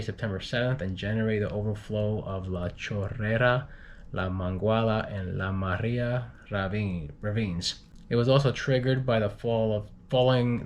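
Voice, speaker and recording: A man with a lowish voice reads travel news like an amateur correspondent. His delivery is halting, with stumbles and repeated words, over a faint rumbling background noise. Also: a little mellow. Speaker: guest news reader, group moderator. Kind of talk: reading travel news, unpolished.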